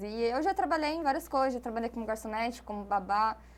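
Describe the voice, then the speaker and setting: In a very clean recording with a silent background, a high-pitched woman speaks in a slight interior São Paulo accent. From Brazil, interior of São Paulo state. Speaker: clown, theatre performer. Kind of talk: interview.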